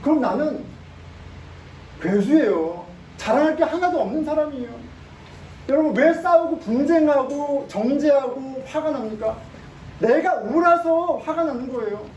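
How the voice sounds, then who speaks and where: Pastor preaching in an echoey sanctuary. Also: male voice, very high-pitched, expressive, measured pace, a little mellow, a little hiss or hum. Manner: emphatic, asks the congregation rhetorical questions. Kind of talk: sermon. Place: church sanctuary. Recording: echoey room, mic at a distance.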